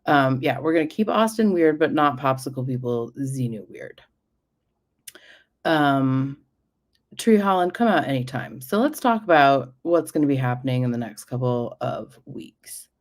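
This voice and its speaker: Low-voiced woman rambling on her livestream, chatty, keeps going off track. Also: animated, measured pace. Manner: rambling, chatty, drifts off topic. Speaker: livestream host. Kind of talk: casual livestream chat.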